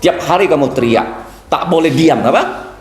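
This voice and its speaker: Sunday school teacher, male, animated questioning delivery, slightly high voice, echoey room. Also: normal speed. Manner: lively, asks the children questions and answers them himself. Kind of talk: Bible lesson for children. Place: church room.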